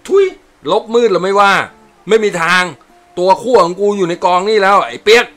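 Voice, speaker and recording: A man voicing a brash, quarrelsome male soldier who talks loud and coarse. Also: sits high, brisk, voice pushed up. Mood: bickering.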